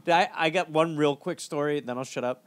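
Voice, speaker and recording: A man's voice: on the high side, brisk, clear, resonant tone, no room sound. A man co-hosting a comedy podcast, riffing in loose, profane, laughing banter and telling a rambling story.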